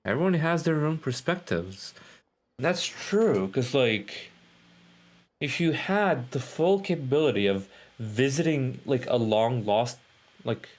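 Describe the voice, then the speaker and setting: A man's voice: medium pitch, lively intonation, slow. Musing male streamer, casual and hesitant. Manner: musing, repeats phrases, hesitant. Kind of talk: casual gameplay commentary. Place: live stream with game audio behind.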